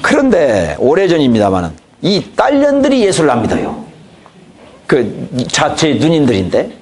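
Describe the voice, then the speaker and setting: A pastor in his fifties gives a church training lecture on evangelism, spinning folksy family stories and acting out conversations. His fairly high voice swings hugely in pitch with a darkish tone at a moderate pace, over a little hiss or hum.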